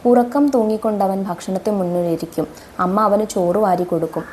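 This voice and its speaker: A woman teacher works through an exam paper for children. She reads each question and model answer aloud, stopping to talk to her pupils directly. Her voice is mellow and warm, with a faint hiss of noise under the recording. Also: medium pitch, brisk.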